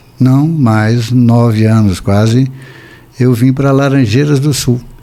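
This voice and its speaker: Over noticeable background noise, the speaker talks at a very slow pace with ordinary pitch variation. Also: man. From northern Paraná, Brazil (Londrina). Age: 70s. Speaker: dairy company manager. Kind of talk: podcast interview.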